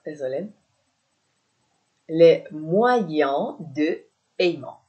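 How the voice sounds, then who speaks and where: A woman leads a beginner French lesson. She speaks slowly in a slightly low voice. Each word gets said twice, calmly and patiently. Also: lo-fi sound. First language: Persian. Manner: patient, repeats each word, glosses in Persian. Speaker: French teacher. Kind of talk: slow vocabulary lesson, repeating words.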